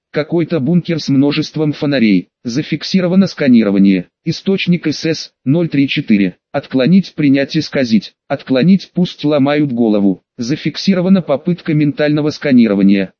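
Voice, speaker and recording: A man's voice: a little high, no echo. A man narrating a first-person sci-fi audiobook in a wry, conversational way, on a dull, dry lo-fi recording.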